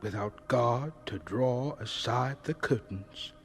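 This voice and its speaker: An actor playing a humble, devout elderly Black scientist in a radio drama. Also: male voice, medium pitch, slow, over loud music. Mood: solemn, fervent.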